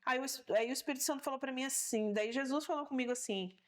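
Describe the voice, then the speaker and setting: A woman with a Brazilian Portuguese accent tells her faith testimony as a talk-show guest. Her voice sits a little high, and she brings the story to life by acting out what she once said and thought. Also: fast talker. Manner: animated storytelling, acting out her own past words.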